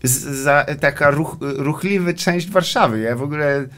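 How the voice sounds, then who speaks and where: A man's voice: a little high, a little slow, a bit bright. A young man hosting a casual comedy podcast, telling rambling stories with crude jokes and bits of English. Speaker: podcast host.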